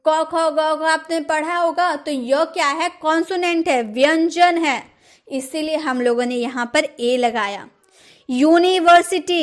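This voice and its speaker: A woman teaching English grammar for exam prep. She asks the class questions, answers them herself, and stresses key words by repeating them. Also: sits high.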